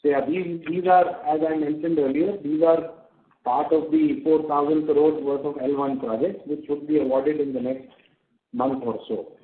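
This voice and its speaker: A man with an Indian accent answering investor questions as a company executive, halting and matter-of-fact. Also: fairly high pitch, fairly even intonation. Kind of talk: earnings call question and answer. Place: conference call. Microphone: telephone. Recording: narrow tinny phone line.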